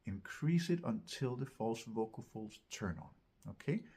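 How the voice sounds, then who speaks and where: A man coaches singers through a technique in an informal, instructional way. His mid-pitched voice is husky and full of creaky fry. He explains step by step and often checks that the listener follows. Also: animated, unhurried, dark tone. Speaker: vocal coach. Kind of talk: instructional vocal technique lesson.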